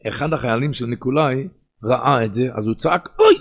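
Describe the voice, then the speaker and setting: A man with an Ashkenazi Hebrew pronunciation giving a sermon in a sing-song study cadence that swings between loud and hushed. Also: mid-range voice, gravelly.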